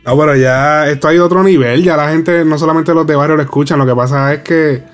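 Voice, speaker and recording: A man's voice: fairly high pitch, steady tone, fast. A man co-hosting a casual entertainment news chat, joking crudely and laughing often. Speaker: podcast co-host.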